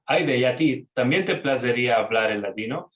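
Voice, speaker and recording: A man's voice: medium pitch, lively intonation, moderate pace, over music. A man delivering a short promotional announcement, inviting viewers to sign up for courses. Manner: inviting, direct address to viewers. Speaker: channel announcer. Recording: roomy recording with faint noise.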